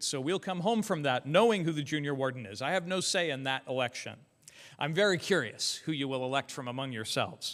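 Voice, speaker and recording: A man with a normal speaking voice, lively intonation and a fairly quick pace, on a very clean recording with a silent background. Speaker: church rector. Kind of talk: meeting address.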